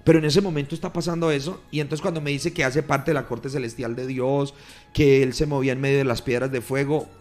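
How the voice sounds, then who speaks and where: A man, a pastor giving a fervent testimony in a radio interview, often growing loud. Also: mid-range voice, fairly even intonation, quick pace, faint music behind. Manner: emphatic, grows loud when retelling. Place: radio studio.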